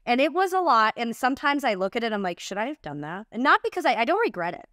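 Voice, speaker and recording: A woman's voice: high-pitched, very animated, fast talker, bright, forceful tone, no room sound, clean studio sound. A woman hosting a podcast, speaking candidly and confessionally in casual chat, often restarting her sentences. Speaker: podcast host.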